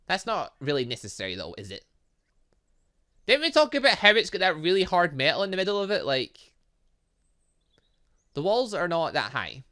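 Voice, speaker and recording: A man reading visual novel dialogue aloud as a gaming host, playfully breaking in with his own asides and reactions. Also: fairly high pitch. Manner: animated, interjecting, playful asides.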